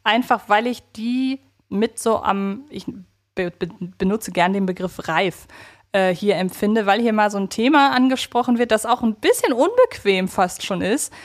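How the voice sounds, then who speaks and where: A woman's voice: medium pitch, lively intonation, normal speed. A woman with a German accent co-hosting a fan podcast, talking conversationally in a reflective, wordy way and correcting herself as she goes. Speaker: podcast co-host.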